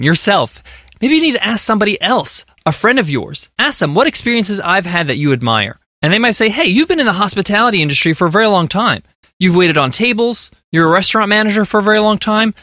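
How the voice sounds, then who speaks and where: A man's voice: high voice, sharp tone, no room sound, clean studio sound. An American man hosting a podcast, giving an earnest, emphatic monologue of business advice. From United States. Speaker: podcast host.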